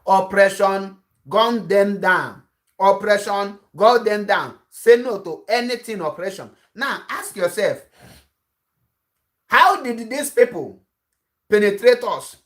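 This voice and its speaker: A man's voice: high-pitched, animated, a little slow, a bit bright. A Nigerian-accented man, an Igbo speaker, delivers an urgent online address in the manner of an activist broadcaster. He hammers points home by repeating himself and often restarts mid-sentence. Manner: insistent, repetitive warnings, frequent restarts.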